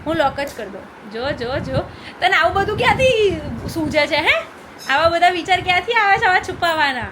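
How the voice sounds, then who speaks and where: A young woman with a high voice chats casually to her viewers, often checking in with them as she goes. She is a mother recording a family vlog on a handheld phone. Steady background noise runs under the voice. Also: moderate pace. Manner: chatty, keeps checking in with viewers.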